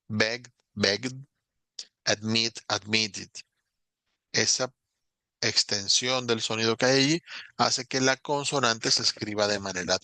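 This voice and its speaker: A man teaching a recorded lesson, explaining rules calmly in short phrases with pauses. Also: lowish voice, dry recording. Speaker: English teacher.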